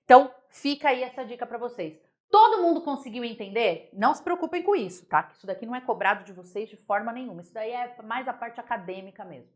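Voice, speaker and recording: A young Brazilian woman teaching a grammar class in a relaxed, chatty way. Her voice sits a little high, and she stays animated as she explains. She keeps stopping to check that everyone is following. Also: fast, few pauses. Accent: Brazilian Portuguese. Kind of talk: casual exam-prep grammar lesson.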